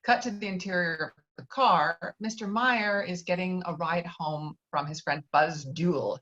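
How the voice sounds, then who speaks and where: Lowish-voiced woman reading stage directions, dull audio. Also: unhurried, fairly bright tone. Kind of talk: reading screenplay directions aloud.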